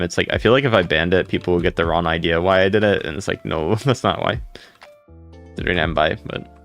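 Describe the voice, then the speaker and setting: A man with a deep voice chatting casually on a livestream, rambling and greeting viewers by name. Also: vocal fry.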